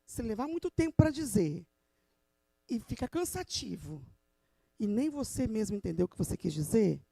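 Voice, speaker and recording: A woman with a Brazilian Portuguese accent speaks to a congregation in an emphatic, teacherly way. Her voice is hoarse and gravelly with a dark, mellow tone. The sound is dry and close. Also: dry recording. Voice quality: hoarse, low voice. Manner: emphatic, teacherly, addresses the audience. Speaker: teacher giving a talk in church. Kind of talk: church talk on communication.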